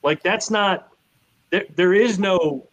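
A man's voice: high voice, slow, a bit bright. A man co-hosting a sports podcast in casual conversation, repeating phrases for emphasis.

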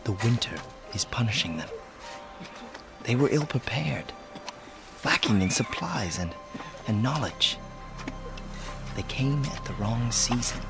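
An actor playing a proud, brooding Native American man in a radio drama, speaking formally and with deliberate intensity. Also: mid-range voice, lively intonation, gravelly. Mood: somber, weary. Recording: radio play with loud music underneath.

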